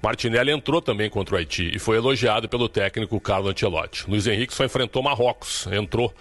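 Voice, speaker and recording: A man delivering a sports report in a steady, informative way. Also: fairly low pitch, fast talker. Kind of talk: read report.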